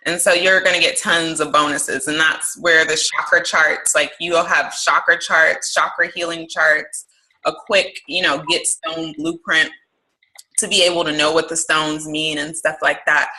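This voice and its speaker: A woman's voice: sits low, little pitch movement, unhurried, sharp tone, rough recording. A woman hosting a crystal course conference call, chatty and encouraging. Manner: chatty, encouraging, uses y'all. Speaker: course host. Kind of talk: casual group conference call. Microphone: phone or computer call.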